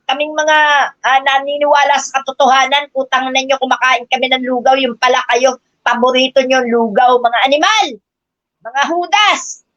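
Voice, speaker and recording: A high-pitched older woman talks straight to her live viewers, scornful and cursing, breaking into laughs as she mocks her critics. Her voice sounds close and dry, with dull lo-fi stream audio. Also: a bit bright, dry recording. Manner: combative, cursing, mocking, laughs often; addresses viewers as brothers and sisters. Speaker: political livestream vlogger.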